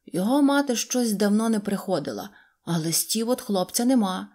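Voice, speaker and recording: A woman's voice: mid-range voice, lively intonation, normal speed, dark tone, natural voice. A woman doing a matter-of-fact toy stationmaster. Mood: sober. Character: careful toy stationmaster, male, practical.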